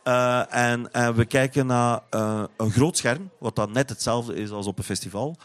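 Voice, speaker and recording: A man's voice: mid-range voice, normal speed. A man with a Flemish accent chatting casually about music, often repeating words as he searches for phrasing. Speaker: interview guest, teacher.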